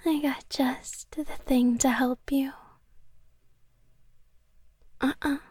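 Possessive cat girl, voiced by a woman; high, slow, close whispers, dry sound. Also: little pitch movement, no echo. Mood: doting whisper. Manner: soft whispering, close and intimate. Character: possessive young cat girl, sweetly obsessive. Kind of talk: ASMR roleplay.

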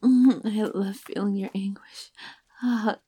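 Brief: woman as a domineering female life-draining creature, husky whispered delivery, slow and a bit high. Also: fairly even intonation, mellow. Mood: seductive, domineering. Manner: breathy, whispered, domineering teasing. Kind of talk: erotic audio roleplay.

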